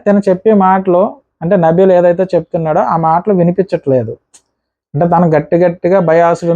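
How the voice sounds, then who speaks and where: Fast-talking man recapping a show. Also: a little high, dark tone, no room sound, highs cut off. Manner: rapid storytelling, acting out contestants' quotes. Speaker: reality show reviewer. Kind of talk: casual episode recap.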